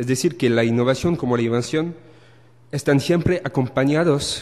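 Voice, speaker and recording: This is a man's voice. He speaks in a French accent. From France. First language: French (speaking Spanish). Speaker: academic researcher. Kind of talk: conference talk read from a script. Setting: conference panel with audience. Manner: halting.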